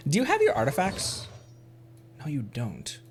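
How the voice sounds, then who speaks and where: A streamer giving casual, excitable commentary while playing a game, often exclaiming and talking to themselves. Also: medium pitch. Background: music.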